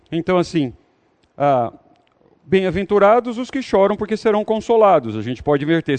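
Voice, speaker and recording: A man's voice: fairly high pitch, a little mellow. A man leading an interactive Bible study, talking conversationally and putting questions to the audience.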